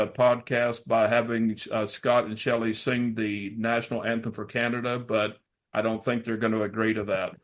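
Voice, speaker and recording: A man hosting a podcast interview, friendly and joking, with uh fillers. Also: medium pitch. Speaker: podcast host.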